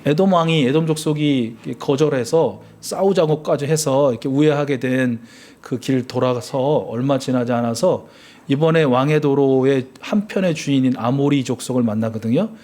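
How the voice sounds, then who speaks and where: A man's voice: medium pitch, moderate pace, a little mellow. A man preaching a Sunday sermon as pastor of a church, asking the congregation questions and acting out the complaints of the people. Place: church service.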